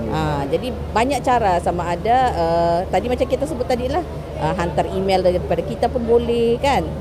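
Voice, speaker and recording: A woman talks at a moderate pace. Noticeable background noise and audible room echo surround her voice. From Sabah, Malaysia. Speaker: public health doctor. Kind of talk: live-streamed podcast interview. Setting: outdoor public event stage.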